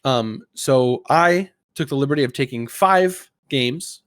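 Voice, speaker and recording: Male podcast host, casual quiz-master delivery, mid pitch, very dry recording. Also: measured pace, a bit bright, no echo. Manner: informal, conversational. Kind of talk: casual gaming podcast chat, explaining a quiz game.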